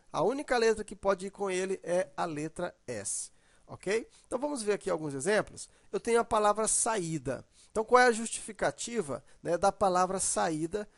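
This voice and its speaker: A man's voice: sits high, vocal fry, no room sound, clean studio sound. A man teaching a grammar lesson, explaining step by step and often checking in with "ok" and "ó".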